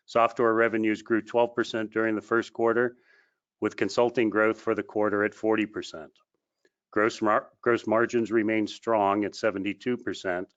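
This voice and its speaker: A man reading a scripted financial results presentation in a formal, measured way, as a company executive on a conference call. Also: fairly low pitch, fairly bright tone. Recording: dull, lo-fi conference call audio.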